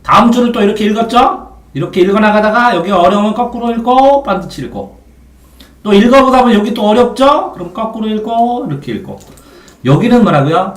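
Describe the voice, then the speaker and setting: A man with a high, lively voice teaches a reading method, asking questions and answering them himself over and over in a drilling rhythm. The pitch swings widely as he talks. He sounds set back from the mic, in a roomy space with a noticeable echo. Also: far from the mic. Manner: repetitive drilling.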